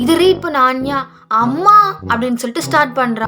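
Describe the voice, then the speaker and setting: Over music in the background, a woman talks with lively intonation at a high pitch. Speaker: anime voice-over narrator. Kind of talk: anime episode recap narration. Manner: casual, storytelling.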